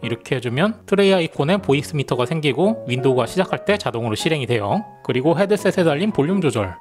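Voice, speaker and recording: A man with a slightly raised voice talks through a software setup one calm step at a time, as in a screen-recorded tech tutorial. He speaks into a gaming headset mic, and faint background music plays underneath. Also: on the high side. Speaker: tech reviewer.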